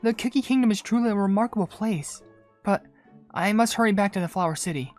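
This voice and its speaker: Woman acting out a gentle, courteous young incense maker. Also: mid-range voice, fast, lightly acted. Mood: grateful. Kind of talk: reading game dialogue aloud in character. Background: game music.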